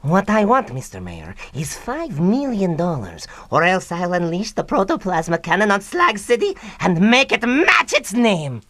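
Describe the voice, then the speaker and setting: An actor, a man, playing a petulant young mad scientist villain with a pompous, excitable delivery in a comedic radio drama. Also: high voice, moderate pace, hardly any pauses, no echo, full character voice. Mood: gloating, menacing. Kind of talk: comedic old-time radio drama acting.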